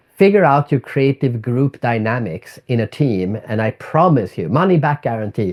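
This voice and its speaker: With a normal speaking voice, a man talks at a moderate pace and medium pitch. His intonation is lively. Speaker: keynote speaker and author. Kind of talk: podcast interview.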